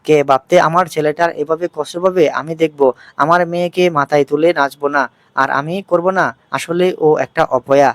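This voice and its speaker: A man's voice: a little high, steady tone, moderate pace, no echo, close to an everyday voice. A man doing a tearful, scheming mother. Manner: wailing, pleading.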